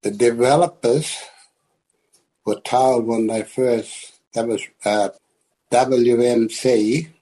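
An older man speaks with an Aboriginal Australian accent in a dark, husky voice. He takes his time, very slowly, halting between phrases. His delivery is plain-spoken, unscripted personal testimony. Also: mid-range voice, steady tone, rough recording. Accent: Australian Aboriginal English. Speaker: community elder and land activist.

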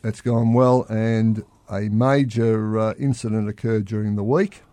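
A man's voice: on the low side, steady tone, unhurried, warm tone, dry recording. Blunt Australian man hosting a podcast. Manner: blunt, swears casually. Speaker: podcast host. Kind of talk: casual chat.

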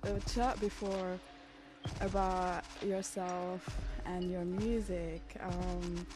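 Slow-talking woman radio host. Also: on the low side, little pitch movement. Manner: friendly, hesitant with many "um"s. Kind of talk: radio interview. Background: music playing.

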